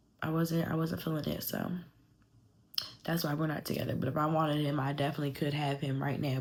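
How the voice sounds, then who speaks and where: A woman speaks at a fairly quick pace with fairly even intonation, her very deep, low pitch carrying vocal fry. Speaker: vlogger. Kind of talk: storytime monologue. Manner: fast; casual, filler-heavy.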